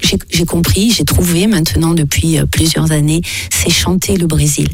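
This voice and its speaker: A woman's voice: deep voice, steady tone, moderate pace, vocal fry, husky, faint music behind. A woman singer, born in France with Portuguese as her first language, recounting her life story thoughtfully with frequent hesitations. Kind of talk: personal interview storytelling.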